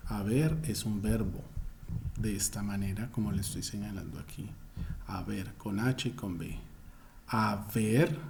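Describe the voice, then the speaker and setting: A man's voice: lowish voice, warm tone, a little hiss or hum. A man teaching a Spanish class, explaining spelling rules emphatically and spelling words out letter by letter.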